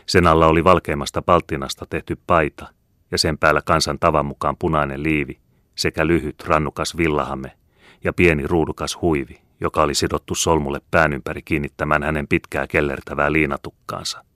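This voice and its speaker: A man narrating a classic novel as an audiobook in a measured, steady storytelling manner, close to a studio mic. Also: rumbling low, no room sound. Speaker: audiobook reader.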